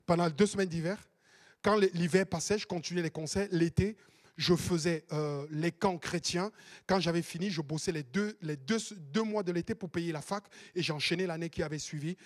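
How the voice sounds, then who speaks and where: A man. His voice sits high for a man, and he drives his points home by repeating them, rising to shouts. It is a fervent pastor's sermon. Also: moderate pace. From Cameroon. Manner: emphatic, repetitive exhortations, bursts into shouting.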